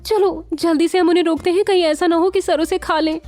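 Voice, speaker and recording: An urgent young maid whose warnings come out high and fast, as a woman narrator puts her on. Soft music sits far behind her. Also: steady tone. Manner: hurried, pleading.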